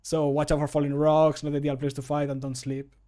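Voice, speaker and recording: Male streamer, thirties, voice a little higher than average, casual rambling, playful, close-miked. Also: completely flat delivery, quick pace, mellow. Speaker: streamer recording mod voice lines. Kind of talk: casual livestream commentary while working. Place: small home room with computer. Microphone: close desk microphone.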